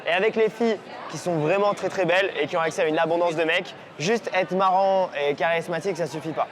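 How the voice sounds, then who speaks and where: A man working as a dating coach, giving energetic, slangy coaching commentary out on a city street. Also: high voice, fast talker, some chatter behind. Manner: energetic, casual slangy talk.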